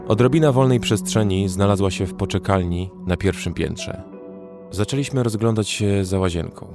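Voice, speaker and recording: Man narrating as a survivor, deep low voice, measured first-person horror narration, faint music. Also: close to an everyday voice. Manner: measured, storytelling delivery. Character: young male survivor narrating his ordeal.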